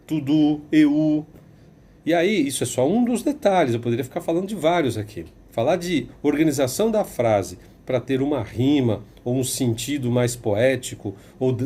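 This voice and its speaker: Emphatic Brazilian commentator with a mellow voice. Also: male voice, medium pitch, husky. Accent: Brazilian Portuguese. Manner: emphatic, sarcastic, repeats phrases for effect. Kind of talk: opinion commentary monologue.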